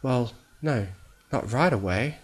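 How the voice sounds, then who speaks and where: Man voicing a high, shaky young girl pony. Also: animated, slow pace, breathy edge. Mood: unsure, soft. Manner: shaky, pleading, faltering. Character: distraught young female pony, desperate for love. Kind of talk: storybook character reading.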